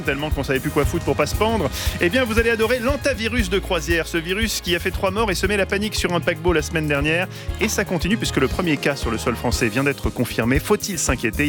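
A man hosting a live radio show, briskly thanking a guest and announcing the next segment. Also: on the high side. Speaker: radio host. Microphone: studio mic. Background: music bed.

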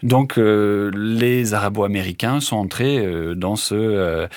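A man's voice: lowish voice, takes it slowly, darkish tone, no echo, clean studio sound. A man being interviewed on radio as an author, answering thoughtfully and hesitantly, with many filler sounds. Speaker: author and guest.

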